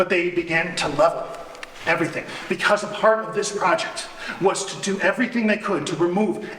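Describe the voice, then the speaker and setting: A high-pitched man, his pitch varying in an ordinary way, talks through noticeable background noise. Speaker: actor. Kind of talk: one-man stage show, storytelling. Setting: live audience.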